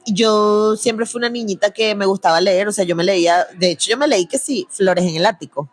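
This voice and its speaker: A young woman speaks with a Venezuelan Spanish accent in a relaxed interview. Her voice sits in a middle pitch. She is chatty and slangy, and she laughs easily. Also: moderate pace, noisy background. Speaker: guest, producer and antiracism content creator. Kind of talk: casual conversational interview.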